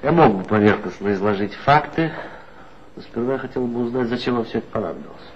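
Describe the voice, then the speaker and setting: An actor playing a guarded former reporter who answers in a measured, reflective way in a 1960s radio play. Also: male voice, medium pitch, animated, a little hiss or hum, lightly acted. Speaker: former reporter being questioned. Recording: dull lo-fi old radio play recording.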